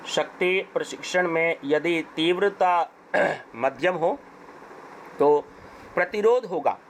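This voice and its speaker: Hoarse Indian male teacher, slow. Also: on the high side, a little hiss or hum, poor audio. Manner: slow, deliberate question-and-answer reading. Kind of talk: exam paper walkthrough.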